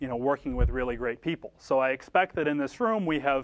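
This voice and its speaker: Ordinary pitch variation marks a man's speech delivered at a fairly quick pace. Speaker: university professor. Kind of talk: lecture. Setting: TV studio classroom. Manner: fast; animated.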